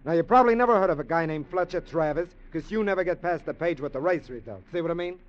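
A man's voice: a little high, animated, quick pace, natural voice. A man doing a pushy small-time crook. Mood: scheming. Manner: chatty street slang, pushy. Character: small-time male burglar, eager fast-talking schemer. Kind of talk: 1950s radio drama acting. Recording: dull old radio recording.

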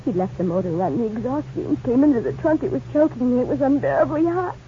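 An actress playing an anguished wife recounting an ordeal in a 1950s radio drama, emotional and halting. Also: female voice, high voice, expressive, background noise. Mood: desperate. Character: anguished young wife recounting her abduction. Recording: muffled old radio, music behind.

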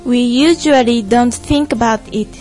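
A woman's voice: a little high, moderate pace, darkish tone, natural voice. A young woman playing an earnest Jewish panelist from Israel in a scripted student stage play, over music. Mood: earnest, didactic. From Japan. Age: young adult. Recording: music behind the voice.

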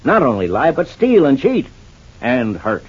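A man's voice: mid-range voice, wildly swooping pitch, a little slow, breathy edge, full character voice. An actor playing Shuffle, a plain-spoken rural older man with a rural American accent, talking in an earnest, folksy drawl in a radio soap. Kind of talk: 1940s radio acting. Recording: dull old radio transcription.

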